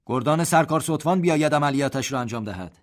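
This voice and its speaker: A man voicing a proud, white-haired army general who gives orders in a raised, loud voice. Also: a little high, expressive, pitched above the performer's own voice, close to an everyday voice. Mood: commanding.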